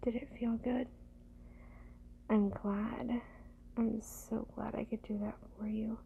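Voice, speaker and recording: A woman in an ASMR role-play as a gentle, doting lover, murmuring tender sweet nothings in a soft, breathy, soothing soft voice. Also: a little high, little pitch movement, slow pace, narrow, tinny audio, a little hiss or hum.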